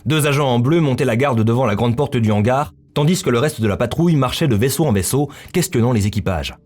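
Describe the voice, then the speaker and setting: A man's voice: mid-range voice, expressive, fast talker, darkish tone. A man narrating a scripted story in literary prose as the narrator of a visual novel. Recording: music bed under the voice.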